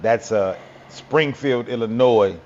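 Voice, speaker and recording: A man co-hosting a podcast who talks over serious topics in a halting, reflective way, searching for words. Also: mid-range voice, darkish tone, highs cut off, a little hiss or hum. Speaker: podcast co-host. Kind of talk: casual political talk.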